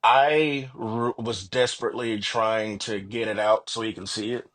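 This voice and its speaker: A man's voice: lowish voice, steady tone, unhurried, fairly bright tone. A man speaking as an author guest in a casual interview, telling stories earnestly and self-deprecatingly and voicing his own thoughts. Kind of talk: casual, animated interview chat.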